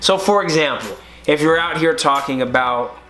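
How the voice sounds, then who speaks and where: A young man co-hosting a podcast, giving casual advice in a relaxed way, often restarting words and acting out sample conversations. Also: on the high side, moderate pace. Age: young adult. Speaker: podcast co-host.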